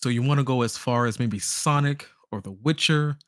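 A man's voice: mid-range voice, normal speed, fairly bright tone, no room sound. Man chatting on podcast, dry sound. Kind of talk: casual podcast discussion.

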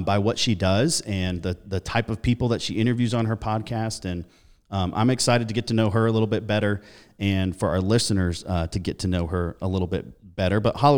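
A man's voice: fairly low pitch, darkish tone, smooth. Friendly, enthusiastic podcast host man. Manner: friendly, enthusiastic, many fillers. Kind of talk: casual interview conversation.

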